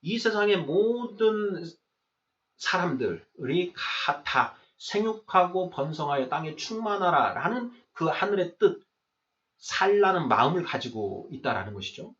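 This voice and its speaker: A man's voice: high-pitched, very animated, measured pace, a bit bright. A man giving an explanatory lecture in a question-and-answer format, stressing and repeating key phrases in a didactic way. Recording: distant mic, dull muffled sound.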